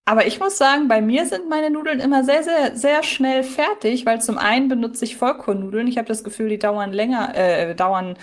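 A woman's voice: on the high side, moderate pace, hardly any pauses. A woman co-hosting a podcast, chatting casually in a reflective, digressive, wordy way. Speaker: podcast co-host. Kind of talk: casual review chat.

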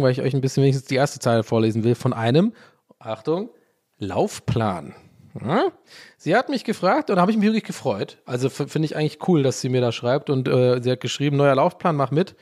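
An Irish man, English by first language, chatting alone on his podcast. He rambles and curses, mocks himself, and his voice leaps up whenever he jokes. Medium pitch, an ordinary everyday tone. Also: a little mellow. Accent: Irish English speaker talking German. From Ireland. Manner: rambling, self-mocking, swears, jumps in pitch when joking. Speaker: podcast host. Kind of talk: casual solo podcast chat.

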